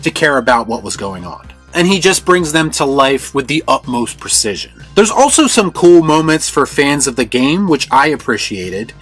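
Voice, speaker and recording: A man's voice: medium pitch, sing-song, normal speed, few pauses, fairly bright tone, breathy edge. A man hosting a video film review with scripted commentary. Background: background music.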